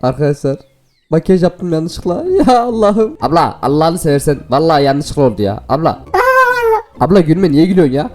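Playful excitable man narrating gameplay. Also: fairly high pitch, fairly quick. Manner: playful and excitable, laughs often, chats to viewers. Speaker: gaming video host.

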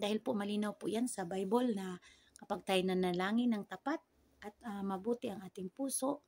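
A middle-aged woman with a Filipino accent and a husky voice, speaking earnestly as she leads Christian devotion for online viewers. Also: medium pitch, mellow, no room sound. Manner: earnest, pleading, repeatedly addressing God. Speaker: online Christian prayer leader. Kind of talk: devotional prayer and exhortation to viewers. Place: small indoor room. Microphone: phone at arm's length.

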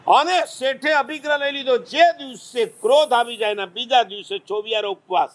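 A man preaching a sermon, telling lively stories and teasing the audience with questions. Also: very high voice, moderate pace. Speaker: Jain monk preacher.

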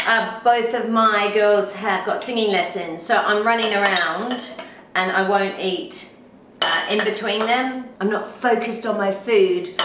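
A woman's voice: fairly high pitch, fairly bright tone, reverberant, slight background noise. A woman in her forties with a New Zealand accent, a lifestyle vlogger chatting to camera while cooking at home. She sounds tired, upbeat and chatty, and laughs often. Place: home kitchen, indoors.

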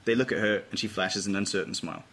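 A man's voice: sits low, fast talker, a bit bright. A man reading out scripted stage directions as narrator at an informal table read. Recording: room recording with faint noise.

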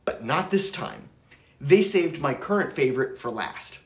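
A man's voice: on the high side, expressive, a little slow, echoey room. A man in his thirties hosting a vinyl channel, narrating his trip in an enthusiastic, chatty way. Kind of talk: casual travel vlog narration. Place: room with record shelves.

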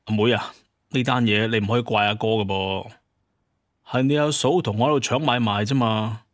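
A man's voice: fairly low pitch, fairly even intonation, moderate pace, no room sound, clean studio sound, lightly acted. Man acting shameless, wheedling hunter chief. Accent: Hong Kong or Guangdong Cantonese. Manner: wheedling, self-excusing. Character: shameless, glib male hunter chief, playing innocent.

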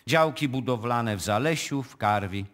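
An actor playing a formal, discreet male notary in a radio play, speaking in a measured, officious manner. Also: medium pitch, a bit bright, lightly acted. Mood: formal, official. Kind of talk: live radio play acting.

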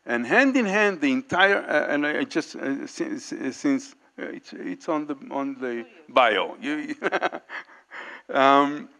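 Halting older man on a handheld mic. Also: medium pitch, lively intonation, bright, forceful tone. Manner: halting, many fillers and restarts, gestures while talking. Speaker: panelist. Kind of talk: unscripted panel remarks. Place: large indoor meeting hall, panel table.

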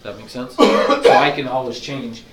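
Guy trainer going over software in a classroom, kinda hoarse, echoey far-off mic. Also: medium pitch, normal speed, a loud crowd. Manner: explanatory, casual, self-deprecating. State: losing his voice, throat-clearing. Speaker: real estate agent trainer. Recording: echoey room from far off, faint hiss.

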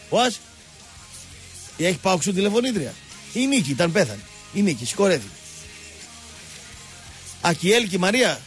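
A man hosting a radio sports show, mocking and digressive as he rambles about football. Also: high-pitched. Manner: animated, mocking, digressive storyteller. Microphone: radio studio microphone.

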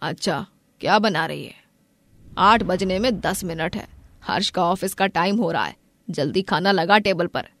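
A woman voicing a stern, sharp-tongued middle-aged mother-in-law in an animated family drama, with an Indian accent and a commanding, scolding manner. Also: fairly low pitch, a little slow.

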